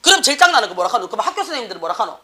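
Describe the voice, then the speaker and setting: A woman's voice: on the high side, very animated, very fast, sharp tone. A middle-aged woman with a Gyeongsang accent, an academy teacher lecturing and scolding students in a blunt, slangy way. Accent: Gyeongsang Korean.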